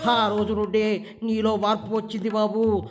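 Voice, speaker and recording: A man's voice: high voice, level tone, moderate pace. A man hosting a satirical comedy segment, teasing in a sing-song way. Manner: teasing, sing-song, keeps tacking on a fond "babu". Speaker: satirical show host. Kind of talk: mocking comedy commentary. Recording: dull lo-fi voice-over with background music.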